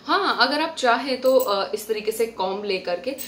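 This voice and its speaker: A woman's voice: on the high side, lively intonation, normal speed, fairly bright tone. A woman from India giving a casual, chatty hair-care tutorial at home, talking straight to her viewers as friends. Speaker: beauty vlogger. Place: indoors at home, fan switched off.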